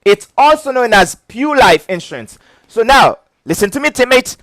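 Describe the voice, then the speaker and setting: This man's pitch is extremely high and his pace moderate, with no echo on the recording. He's heavily accented, a non-native English speaker, running an insurance licensing lesson as a casual video. His teaching is animated and repetitive, punctuated by frequent chuckles.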